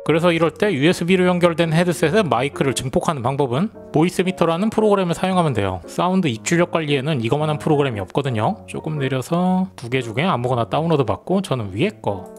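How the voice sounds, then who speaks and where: A man with a slightly raised voice talks through a software setup one calm step at a time, as in a screen-recorded tech tutorial. He speaks into a gaming headset mic, and faint background music plays underneath. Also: a little high. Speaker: tech reviewer.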